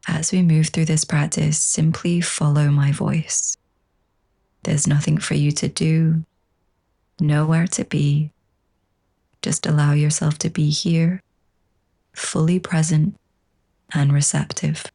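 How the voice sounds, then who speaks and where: Soft, husky and breathy, a woman's low, level voice carries a slow guided yoga nidra relaxation. The whole delivery is hushed, gentle and soothing.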